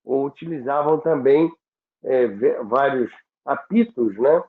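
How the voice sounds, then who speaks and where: A Brazilian man explaining things informally as an interview guest, halting and repeating words, with rhetorical questions. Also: mid-range voice. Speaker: interview guest on radio history. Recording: phone-like thin sound, echoey room.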